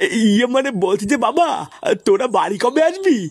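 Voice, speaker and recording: A man puts on a whiny character voice at an extremely high pitch. He keeps a moderate pace. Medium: cartoon. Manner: stammering, whining.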